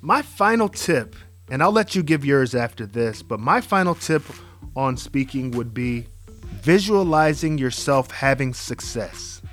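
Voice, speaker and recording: A man's voice: mid-range voice, expressive, measured pace, fairly bright tone, faint music behind. A man hosting a podcast, giving earnest advice and welcoming a guest. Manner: earnest, encouraging, gives advice. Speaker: podcast host. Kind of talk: casual podcast chat and interviewing.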